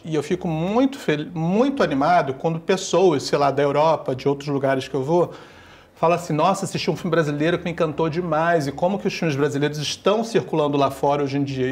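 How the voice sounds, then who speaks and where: A man's voice: a little high, fairly quick, a little mellow. A man from Taiwan, a guest filmmaker and teacher, talking enthusiastically on a panel and repeating his points. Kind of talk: casual panel talk.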